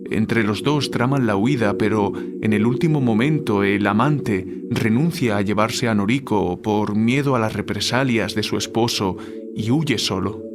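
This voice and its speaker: Escritor atormentado por pesadillas interpretado por un hombre. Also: male voice, on the low side, very noisy, close to an everyday voice. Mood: troubled. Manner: measured, literary, confiding. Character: troubled male writer haunted by recurring nightmares. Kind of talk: audio drama monologue, narrating a dream.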